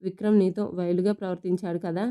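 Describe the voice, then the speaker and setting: A woman's voice: on the low side, level tone, fast talker, warm tone, close to an everyday voice. A woman reading as a firm young doctor mother. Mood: concerned.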